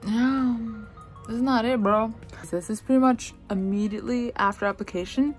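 A woman's voice: on the high side, moderate pace, faint music behind. A woman beauty vlogger chatting casually through a product review, with slang and playful asides.

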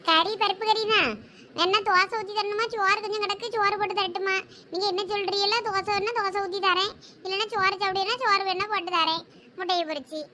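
A caring village housewife with a Thoothukudi accent, played by a woman in a homespun village drama. Her very high voice runs on fast and coaxing, soothing and talkative. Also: fairly even intonation, background noise. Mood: reassuring. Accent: Thoothukudi Tamil. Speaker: village wife.

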